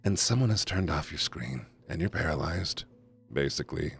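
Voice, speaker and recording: Male streamer, deep voice, very lively pitch; reads game text and chats with viewers; faint music underneath. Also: normal speed, slightly rough. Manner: animated, jumps between reading aloud and chatty asides to chat. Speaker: streamer voicing a visual novel. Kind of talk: live stream reading and reacting.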